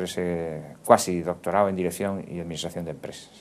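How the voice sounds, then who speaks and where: A man speaks at a moderate pace. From Nerja, Málaga, Andalusia, Spain; Andalusia, Spain. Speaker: cave foundation manager and politician; politician. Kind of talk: interview. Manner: hesitant, many filler sounds. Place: studio. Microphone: lapel.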